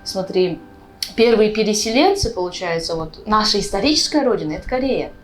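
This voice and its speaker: A woman's voice: mid-range voice, expressive, fairly quick, low-quality recording. A woman in her twenties from Uzbekistan, speaking as a guest in a casual, conversational explanation, often checking in with her listener. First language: Russian. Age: 20s. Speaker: guest, vlogger.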